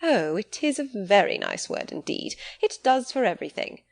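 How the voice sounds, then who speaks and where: A woman voicing a witty young gentleman in an audiobook, playfully mock-serious and pedantic with formal phrasing. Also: medium pitch, big pitch swings, moderate pace, creaky. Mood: mock-serious teasing.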